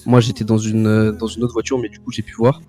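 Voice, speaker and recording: A man playing a hesitant witness in an online roleplay trial, casual and halting as he informs. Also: lowish voice, level tone, mellow, natural voice. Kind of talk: improvised online game roleplay.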